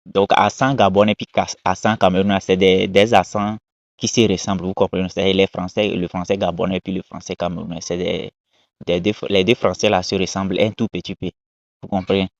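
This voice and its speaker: A man's voice: sits low, level tone, fairly quick, gravelly, no echo. A man giving casual, emphatic commentary on viral videos, repeating his points and moralizing. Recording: dull lo-fi dry sound.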